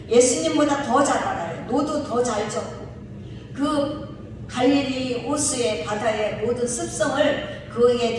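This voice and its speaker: A woman pastor preaches in a lively way, often asking her listeners questions. Her voice carries through a big, echoing church from a mic set some way off. A faint hiss sits under the sound. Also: a little high. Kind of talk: sermon. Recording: echoey hall, distant mic, faint hiss.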